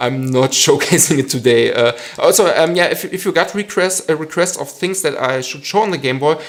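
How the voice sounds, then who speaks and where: A man's fairly high voice with a German accent, lively intonation and noticeable background noise. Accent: obvious German. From western Germany. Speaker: maker and YouTuber. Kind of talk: live stream Q&A. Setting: live stream. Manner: hesitant, many fillers.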